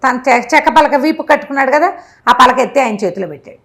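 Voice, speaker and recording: Woman storyteller with a higher-pitched voice. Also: fast talker, vocal fry. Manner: animated, chatty, with asides to the listener. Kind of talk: spontaneous conversational storytelling of a folk moral tale, acting out dialogue.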